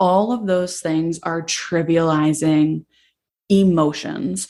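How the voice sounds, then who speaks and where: The recording is very clean and the background silent. This woman's voice sits fairly low in pitch. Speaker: podcast host and therapist. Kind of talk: solo podcast talk. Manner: passionate, animated.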